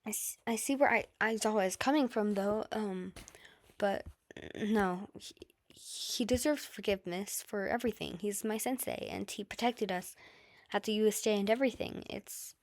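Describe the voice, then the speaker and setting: A woman reading fan fiction as an amateur narrator, with an earnest, slightly halting delivery. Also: medium pitch. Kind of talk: audiobook-style narration of an emotional story.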